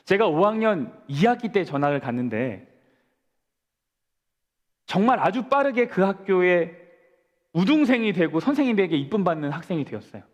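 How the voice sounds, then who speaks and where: A man's voice: high-pitched, very animated, moderate pace, pauses often, muffled recording. A man in his forties, a pastor preaching a sermon, telling a story and asking the congregation questions before answering them himself. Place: church sanctuary. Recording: long church-hall reverb.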